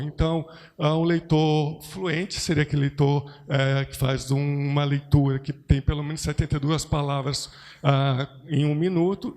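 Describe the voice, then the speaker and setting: A man presenting research at an academic conference, speaking in a measured, explanatory way with frequent hesitations. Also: a little high, a little mellow.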